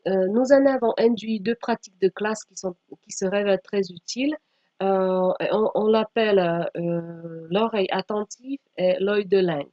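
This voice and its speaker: A woman giving a slide presentation as a teacher trainer, speaking haltingly with frequent pauses and sometimes reading aloud. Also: mid-range voice, warm tone. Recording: dull, echoey room sound.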